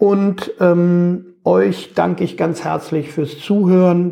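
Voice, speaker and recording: The man's voice sits at a fairly high pitch. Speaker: podcast host and real estate training provider. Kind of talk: casual interview. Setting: video call. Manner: hesitant, many filler sounds. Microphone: Teams call audio quality sometimes poor.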